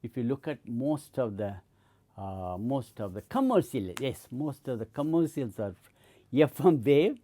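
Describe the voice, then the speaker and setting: A man's voice: mid-range voice, expressive, measured pace, warm tone. A middle-aged man giving an explanatory lecture, often repeating and restarting his points. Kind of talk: educational lecture.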